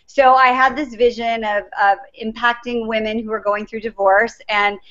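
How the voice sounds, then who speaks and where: A woman's voice: on the high side, fairly even intonation, normal speed, a bit bright. A middle-aged woman, a life coach, telling her story earnestly as an interview guest. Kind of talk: interview answers, personal story. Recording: dull lo-fi recording.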